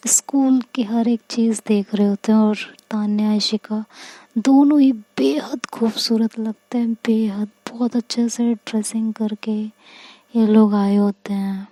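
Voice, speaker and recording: A woman's voice: medium pitch, no room sound. A woman with an Indian accent narrating a romantic story in a casual, chatty way and voicing the dialogue herself. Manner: chatty, colloquial retelling with lively quoted dialogue.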